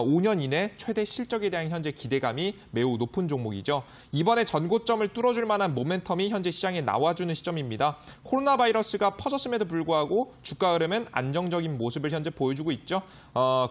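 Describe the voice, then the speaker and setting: A man lectures on stocks as a broadcast guest, his voice riding fairly high and swinging widely in pitch. He hammers his points emphatically and fills the gaps with little hesitation sounds. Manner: animated, emphatic, frequent fillers. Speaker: stock market expert guest.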